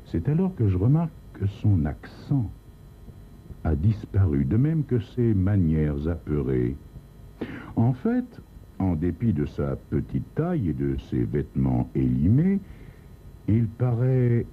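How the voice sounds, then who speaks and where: A man telling a crime story in a low, gravelly voice, slow and swinging widely in pitch. The recording is tinny and phone-like, with a faint hiss. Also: wildly swooping pitch. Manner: dramatic, wry storytelling. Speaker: narrator. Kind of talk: scripted crime story narration.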